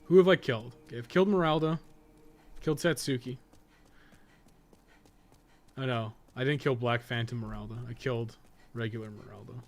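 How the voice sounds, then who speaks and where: A man's voice: mid-range voice, normal speed, long pauses, slight background noise. A man giving casual, rambling, sweary gameplay commentary as a streamer. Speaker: game streamer and podcast co-host.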